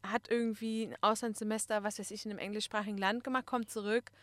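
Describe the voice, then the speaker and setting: Lively chatty woman, dry close sound. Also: mid-range voice, fast, no room sound. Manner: animated storyteller, acts out quoted voices. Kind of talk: casual chat.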